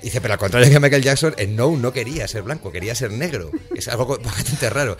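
A man's voice: medium pitch, expressive, fast, soft background music. A man with a Spain Spanish accent hosting a comedy podcast, sarcastic and often laughing mid-sentence. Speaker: radio podcast host. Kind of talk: mocking comedic commentary.

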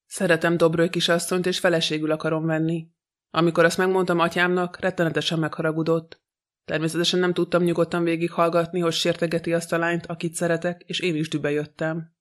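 A man voicing an angry, defiant young man in an audiobook, speaking bitterly in an even, flat delivery. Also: a little high, close to an everyday voice.

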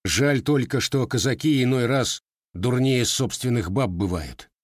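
A proud, sharp-tongued young armorer, as a man reads him in a storybook. He speaks in a dry, curt way, a little above the narrator's pitch, recorded close and dry. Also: measured pace, no room sound, natural voice. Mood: calm.

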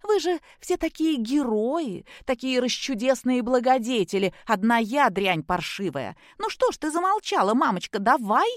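A woman's voice: on the high side, sing-song, moderate pace, few pauses, no room sound, clean studio sound, voice pushed up. A woman voicing a drunk, spiteful young mother who talks in a slurred, mocking, whiny way. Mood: bitter scornful.

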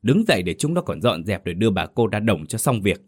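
Gruff irritable old village man, voiced by a man, snapping, scolding, jumps up sharply. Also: lowish voice, sing-song, fast talker, darkish tone, no echo, clean studio sound. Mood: irritated scolding.

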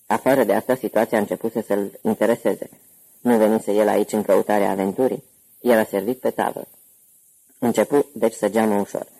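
A male audiobook narrator with a low, gravelly voice. His tone is dark and somewhat husky. He reads the scripted story at a steady, even pace. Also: rough recording.

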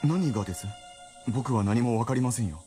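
A man's voice: mid-range voice, expressive, brisk, music in the background, natural voice. A man playing a puzzled, earnest writer. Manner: polite, earnest, easily puzzled. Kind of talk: radio drama acting.

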